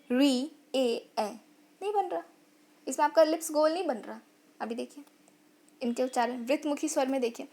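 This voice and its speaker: A woman teaching grammar in an online lesson, sounding out vowels and repeating phrases as she explains. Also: fairly high pitch.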